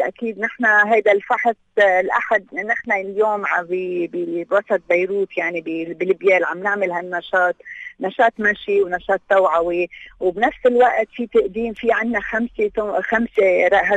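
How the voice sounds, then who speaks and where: A woman's voice: medium pitch, no echo, highs cut off. A woman with a Lebanese Levantine Arabic accent explaining things as an interview guest, dropping in English words. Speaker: guest, health awareness association representative. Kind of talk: radio interview, explanatory talk.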